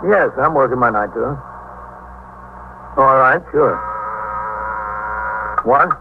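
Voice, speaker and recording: An actor in a 1950s radio drama playing a calm precinct captain who also narrates. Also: male voice, mid-range voice, creaky. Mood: steady. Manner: measured, deliberate. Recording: tinny old radio broadcast with faint hiss.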